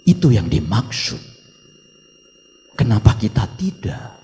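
Monk, male, lively preaching cadence, swells then drops to soft endings; long hall reverb. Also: on the low side, slow. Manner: preaching, mixing in Mandarin chant phrases; emphatic rising exhortations, trailing off softly. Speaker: Buddhist monk teacher. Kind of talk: dharma talk.

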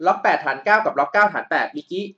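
A male math tutor talks through a problem on a screen recording, patient and methodical, often checking that the listener is following. His voice sits a little high for a man. The audio is dull and lo-fi, like a cheap desktop mic. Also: fast, pushed and bright. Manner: patient, explains step by step and checks understanding.

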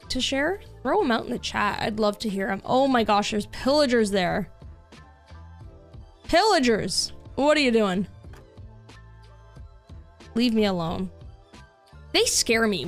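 A woman's voice: on the high side, big pitch swings, moderate pace, long pauses, soft background music. A young adult woman streaming a game, chatting casually in a bubbly way with lots of filler words. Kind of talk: casual chat while playing a game.

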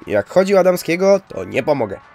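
A man's voice: fairly high pitch, sing-song, quick pace, vocal fry, darkish tone, soft background music, pitched above the performer's own voice. A man voicing a weary male pharmacist who answers in curt, grumbling lines.

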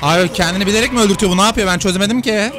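Gamer guy, excitable, slightly high voice, loud game music underneath, casual play commentary. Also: rapid-fire. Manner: excitable, yells at the screen. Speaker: gaming youtuber.

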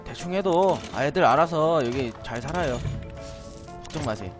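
A man's voice: a little high, animated, moderate pace. A man giving let's play commentary with a playful, cocky manner, explaining each step to viewers and jokingly scolding the game's citizens. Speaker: gaming video host. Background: loud game music.

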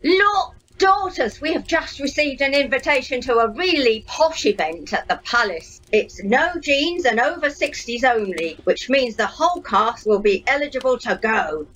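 A woman's voice: high-pitched, animated, normal speed, few pauses, fairly bright tone. A woman playing a wicked, grand stepmother in an amateur audio pantomime, haughty and theatrical. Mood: grand, excited. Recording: faintly noisy home video-call recording.

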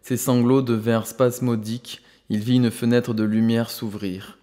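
A man reading a novel aloud as an audiobook narrator, at a steady, even pace. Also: mid-range voice, moderate pace, big-room sound. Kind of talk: scripted narration.

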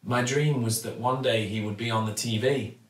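A man's voice: medium pitch, fairly even intonation, normal speed, lightly acted. A man voicing a sad, sincere little schoolgirl in a storybook, polite and downcast. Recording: roomy, slightly distant mic.

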